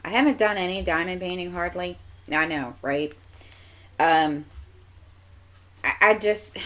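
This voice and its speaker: Woman, low voice, stuffy nose, relaxed rambling crafting vlogger. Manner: chatty, meandering, many fillers and restarts. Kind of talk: casual rambling chat.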